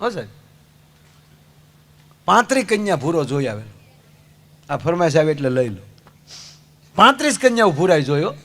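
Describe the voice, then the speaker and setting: High-voiced Saurashtra comic storyteller man. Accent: Saurashtra Gujarati. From Saurashtra, India. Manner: animated storyteller, acts out characters with pitch swings. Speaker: folk comedian. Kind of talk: stage comedy storytelling.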